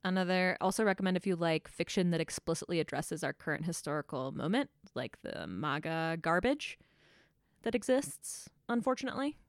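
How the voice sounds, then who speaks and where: A woman co-hosting a casual book podcast, thoughtful and often pausing to find the right words. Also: fairly low pitch, lively intonation, no echo, studio quality. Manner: thoughtful, searching for words, self-correcting.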